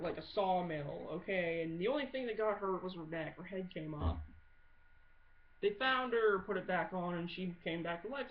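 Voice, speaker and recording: Blunt woman rambling, muffled noisy recording. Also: mid-range voice. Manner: blunt, sweary, sarcastic. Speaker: amateur video blogger. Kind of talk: casual comedic rambling monologue. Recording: muffled audio with clear background noise.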